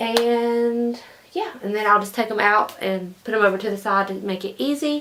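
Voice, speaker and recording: A woman talks at a moderate pace with a fairly high pitch. Noticeable background noise runs behind her. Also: ordinary pitch variation. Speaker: beauty vlogger. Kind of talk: casual tutorial chat. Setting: at home. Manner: quiet.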